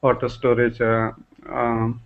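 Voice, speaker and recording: A man's voice: mid-range voice, completely flat delivery, slow. A man in an online class, hesitating and searching for words as he speaks. His voice comes through thin and tinny, like a phone line. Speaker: student. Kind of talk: halting class discussion. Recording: tinny call audio.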